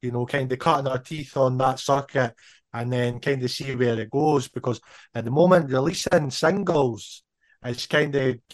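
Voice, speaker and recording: A man's voice: mid-range voice, moderate pace, no echo. Scottish man, thirties, rambling musician guest, dry close sound. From Scotland. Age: 30s. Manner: relaxed, rambling, lots of "you know". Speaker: band member guest. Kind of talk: casual interview chat.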